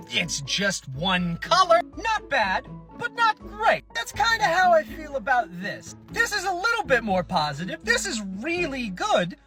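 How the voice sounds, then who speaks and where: Lively, bright-voiced opinionated creator. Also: mid-range voice. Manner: opinionated, animated, with sarcastic asides. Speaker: content creator. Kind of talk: casual opinion commentary.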